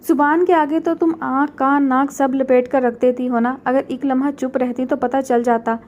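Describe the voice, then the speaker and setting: Chatty teasing young guy, lady narrator reads him, high voice. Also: steady tone, moderate pace, a little mellow, highs cut off, natural voice. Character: young man, teasing cousin.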